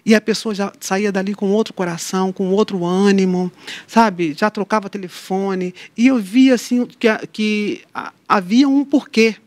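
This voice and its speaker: A woman's voice: medium pitch, normal speed, no room sound. A middle-aged woman talks about her family and her faith as an interview guest, and she gives each person in her story a voice of their own. The recording is dry and close, with no room sound around her. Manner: lively storyteller who acts out quoted dialogue. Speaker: interview guest, mother of an atypical child. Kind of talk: personal faith testimony in conversation.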